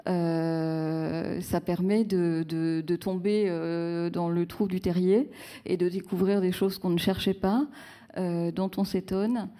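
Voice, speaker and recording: A woman's voice: on the low side, steady tone, slow pace, warm tone. A woman author in a live book talk, speaking reflectively with many fillers and restarts as she searches for her words.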